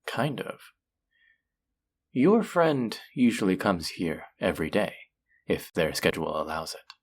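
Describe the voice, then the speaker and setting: Man acting a teasing, possessive demon, slow and gravelly. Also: deep voice, very animated, full character voice. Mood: teasing, taunting. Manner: teasing, taunting, seductive, drawn-out phrasing. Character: flirty, possessive male demon working in an underworld casino. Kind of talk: scripted roleplay audio drama addressed to the listener.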